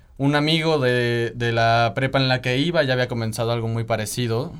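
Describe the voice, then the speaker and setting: Recorded very cleanly with a silent background, a man speaks at a moderate pace in a medium pitch. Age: 20s. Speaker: university student. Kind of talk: casual chat.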